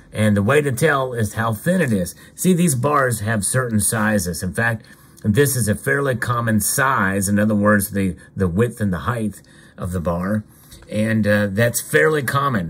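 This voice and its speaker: A man with an unremarkable speaking voice talks at a fairly slow pace. His pitch is fairly low, and his intonation is lively. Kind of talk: casual show-and-tell commentary. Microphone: phone near.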